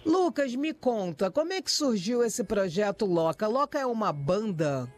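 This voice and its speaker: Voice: mid-range voice, sing-song, moderate pace. A radio host interviewing a guest with short, friendly questions. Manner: friendly, brief prompting questions.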